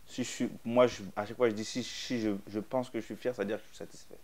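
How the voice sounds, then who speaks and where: A middle-aged man, a DJ guest, answering interview questions in a joking, blunt way, with many fillers and pauses. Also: fairly low pitch, steady tone, a little mellow. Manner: jokey, blunt, hesitant with fillers. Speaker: DJ and producer guest.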